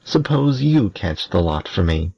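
A man voicing a lazy, languid young man who speaks slowly and listlessly, with a husky voice. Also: deep voice, big pitch swings, darkish tone, exaggerated voice, rough recording. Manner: slow, listless.

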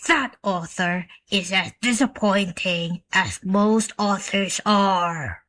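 A woman voicing a hungry male grizzly bear in a storybook reading, speaking slowly and low, half-whispered. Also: a bit bright. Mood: grumbling.

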